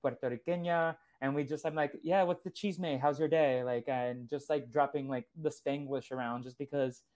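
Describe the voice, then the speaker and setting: A man's voice: mid-range voice, fairly even intonation, normal speed, few pauses, darkish tone. A young man hosting a podcast interview, enthusiastic and chatty, filling with "like" and "uh", Portuguese his first language. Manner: enthusiastic, lots of fillers like "like" and "uh". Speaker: podcast host. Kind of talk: casual interview chat.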